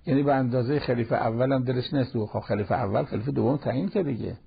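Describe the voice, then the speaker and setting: Medium in pitch and rough-textured, a cleric's husky voice carries an easygoing sermon explaining the Quran, dotted with Arabic verses. It all comes through muffled and lo-fi, reminiscent of an old radio program.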